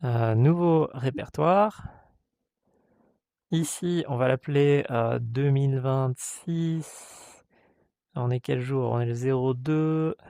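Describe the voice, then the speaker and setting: A man hosting a tech tutorial, talking step by step with many hesitations and playfully voicing what the software asks him. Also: medium pitch, takes it slowly, gravelly, pauses often, clear, resonant tone, dry recording, studio quality. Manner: hesitant, many "euh" fillers, reads out codes step by step; voices the software in playful mock dialogue. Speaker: tutorial host. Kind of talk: screen-recorded tech tutorial.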